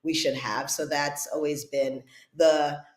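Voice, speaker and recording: A woman's voice: sits low, fairly even intonation, takes it slowly. Woman in an echoey room. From South Africa. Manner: thoughtful, searching for words. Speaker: guest, writer and director. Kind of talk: reflective conversational interview.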